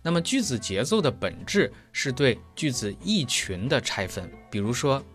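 A man teaching German pronunciation in a methodical lesson, laying out each point step by step with homely analogies. His voice sits at a middle pitch but moves with a lively, wide-ranging melody. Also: moderate pace, soft background music. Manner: explains step by step with everyday analogies. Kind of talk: explanatory lesson.

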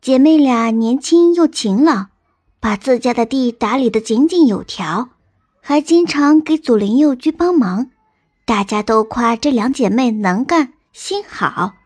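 A woman reading a folk tale aloud with gentle, expressive storybook narration. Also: a little high, measured pace, slightly rough.

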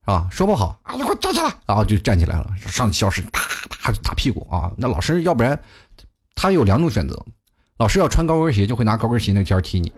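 A talk show host, delivering a comic monologue in a slightly low, husky voice. His pitch jumps around as he tells his stories, and he laughs at his own punchlines. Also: fast talker. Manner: animated, chatty, laughs at his own jokes.

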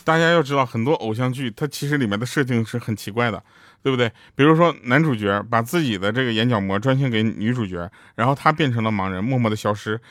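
A man's voice: mid-range voice, quick pace, fairly bright tone, no echo, clean studio sound, soft background music. A man hosting a joke show, telling funny stories in a casual, chatty way and often asking listeners to agree. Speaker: radio joke show host. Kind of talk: casual comic storytelling.

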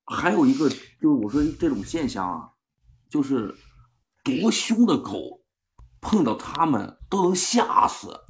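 A man's voice: mid-range voice, big pitch swings, unhurried, a little hiss or hum. A man hosting a radio chat who talks hesitantly, full of fillers and restarts. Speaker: radio host. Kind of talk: casual chat.

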